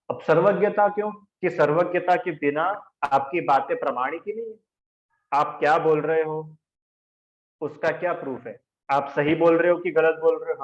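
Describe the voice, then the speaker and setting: A male teacher giving a class lecture, arguing through rhetorical questions and answers and quizzing his students by name. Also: on the high side. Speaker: religion teacher. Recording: roomy, dull lo-fi recording.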